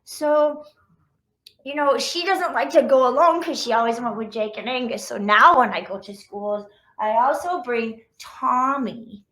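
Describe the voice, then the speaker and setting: High-voiced woman chatting to children. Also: a little slow, a bit bright, low-quality recording. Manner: chatty, explanatory, child-directed. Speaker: children's author. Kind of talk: casual talk to children after a read-aloud.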